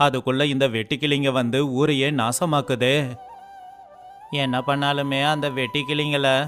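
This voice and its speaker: Guy doing the village men in a story, normal pitch, bit of music under it. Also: little pitch movement, moderate pace, a bit bright. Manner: plays several village men in turn. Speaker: voice actor for story characters. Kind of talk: storybook dialogue acting. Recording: faint music behind.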